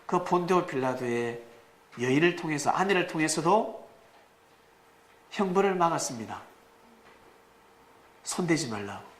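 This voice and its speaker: A male pastor preaching a sermon with dramatic rises, sudden shouts and rhetorical questions to the congregation. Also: a little high, animated, a little slow, pauses often. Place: church sanctuary. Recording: echoey church room, faint ambience.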